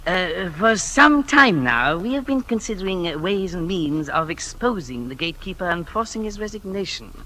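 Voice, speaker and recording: A sly, high-voiced informer. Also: male voice, sing-song, moderate pace, few pauses, pushed and bright, a little hiss or hum, exaggerated voice, rough recording. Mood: silky. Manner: suave, insinuating. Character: sly, smooth male informer, scheming committee man. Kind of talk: 1950s radio drama acting.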